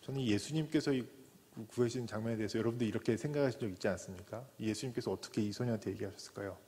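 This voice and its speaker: A man, a pastor, preaching a sermon who acts out the voices in the story, from loud cries to soft whispers. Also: on the low side, very fast. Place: church sanctuary. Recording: church hall with long reverb.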